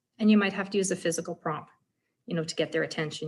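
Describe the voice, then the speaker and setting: A somewhat breathy woman with a Canadian accent and fairly even intonation. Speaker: special education teacher. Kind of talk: webinar presentation. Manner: fast.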